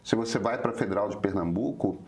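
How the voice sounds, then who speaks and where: A man in his fifties with a Rio de Janeiro carioca accent, explaining things in a relaxed talk-show chat, hesitant with frequent filler restarts. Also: fairly low pitch, fairly quick. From Brazil, Rio de Janeiro. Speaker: journalist co-host. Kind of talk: casual conversational explanation.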